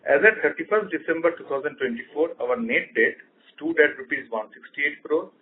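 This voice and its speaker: A man's voice: a little high, lively intonation, normal speed, husky. A man with an Indian accent reading out a scripted financial report as chief financial officer on a conference call. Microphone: conference call line. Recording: thin phone-like conference line.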